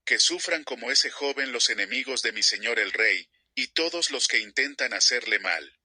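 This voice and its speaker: A man's voice: mid-range voice, lively intonation, moderate pace, pushed and bright, slightly rough, dry recording, clean studio sound, heavily acted. A man reading the part of a foreign male runner announcing news of the war. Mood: declaring.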